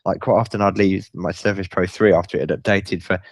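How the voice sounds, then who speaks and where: Hoarse low-voiced man. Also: fairly even intonation, fast talker, dry recording. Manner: rambling, restarts, light chuckles. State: hoarse, croaky voice from a chest infection. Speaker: podcast co-host. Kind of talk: casual tech chat.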